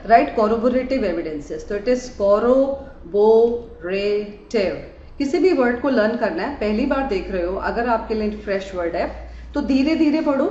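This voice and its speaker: A woman teacher with a fairly high voice, coaching students through exam tips. She switches easily into English phrases and speaks to them fondly as her children. The recording is dull and echoey, with a faint hiss underneath. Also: a little mellow. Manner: mixes Hindi with English phrases, addresses students as "beta". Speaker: audit teacher.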